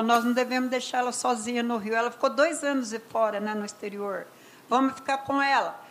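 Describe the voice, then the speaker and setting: An older woman with a Brazilian accent, telling a personal story as a mother in an emotional, conversational way, often trailing off softly. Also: a little high, poor audio. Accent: Brazilian Portuguese. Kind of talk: personal testimony.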